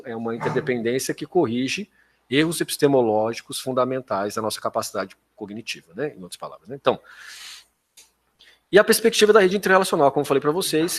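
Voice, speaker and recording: A man with a Brazilian accent lectures like a university professor. He explains step by step, often checking that listeners follow, and corrects himself as he goes. His pitch sits in the middle for a man, and he slips into informal asides. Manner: didactic, frequent check-in questions to listeners.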